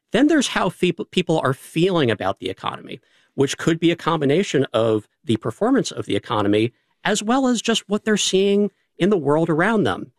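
A man with a New York accent, a state economist giving measured, articulate explanations on a radio panel. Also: fairly high pitch, no room sound, clean studio sound. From New York City. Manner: articulate, deliberate, uses rhetorical questions.

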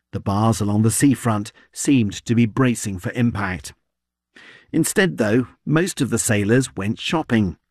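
A man narrating a scripted foreign news report in a measured, wry way. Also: mid-range voice, no room sound, studio quality. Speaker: foreign correspondent.

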